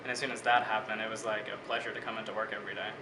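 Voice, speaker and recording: A man's voice: lowish voice, racing. A man in his twenties from Bangladesh, a biology student giving thoughtful, articulate interview answers. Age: 20s. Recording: echoey room with steady air-conditioning hum.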